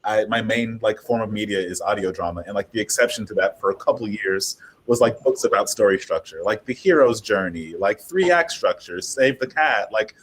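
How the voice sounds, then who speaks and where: A man's voice: lowish voice, normal speed, husky, low-quality recording. A man speaking casually as a writer on a discussion panel, offering advice. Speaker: audio drama writer and panelist.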